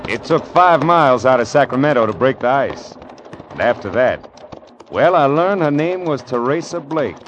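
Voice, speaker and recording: An actor playing a wry, determined gold seeker who narrates and acts in an old radio Western. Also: male voice, medium pitch, animated, moderate pace, fairly bright tone, natural voice. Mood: easygoing, curious. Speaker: narrator and lead character. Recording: dull old radio recording with music.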